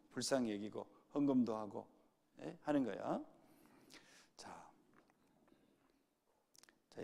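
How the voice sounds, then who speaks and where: A man's voice: a little high, gravelly, a little mellow. A male pastor preaching a sermon to his congregation in a church hall, quizzing them with repeated right-or-wrong questions.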